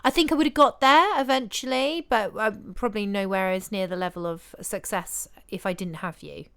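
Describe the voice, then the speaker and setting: A woman's voice: mid-range voice, normal speed, a bit bright, smooth. A young woman with a giggly, blunt, sassy manner, chatting casually as a podcast co-host. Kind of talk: casual chat.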